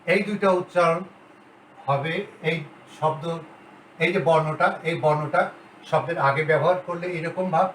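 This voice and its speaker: Man lecturing slowly in a roomy room. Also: fairly high pitch, fairly bright tone, recorded from a distance. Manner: slow, deliberate, repeats key sounds. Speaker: Bengali grammar lecturer. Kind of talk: classroom lecture at a board. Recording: roomy, off-mic, faint hiss.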